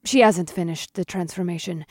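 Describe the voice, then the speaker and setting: A man's voice: high-pitched, moderate pace, dry recording, studio quality, voice pushed up. A man voicing a confident, smirking vampire woman who speaks in a sly, matter-of-fact way. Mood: cool.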